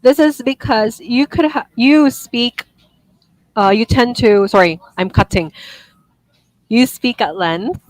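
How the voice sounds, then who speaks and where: A woman teaching an online one-on-one IELTS lesson, giving gentle corrections and apologizing for her own slips. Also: mid-range voice, dry recording, poor audio.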